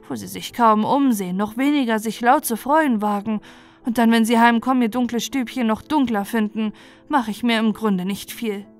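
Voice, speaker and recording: A woman voicing a kind, affectionate aunt in a storybook, speaking to children in a gentle, earnest way. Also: on the high side, close to an everyday voice. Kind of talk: storybook character voice.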